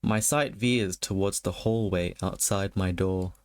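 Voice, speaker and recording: A man with a fairly low voice hosts a spooky game stream. He talks casually to his viewers and reads visual novel text aloud. His chatty delivery is halting, with repeated words. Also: fairly even intonation, no echo.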